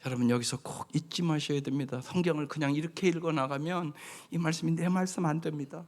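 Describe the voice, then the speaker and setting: A man preaching a sermon as pastor, with emphatic exhortations that drop at times to hushed, whispered lines. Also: on the high side, steady tone, fast talker.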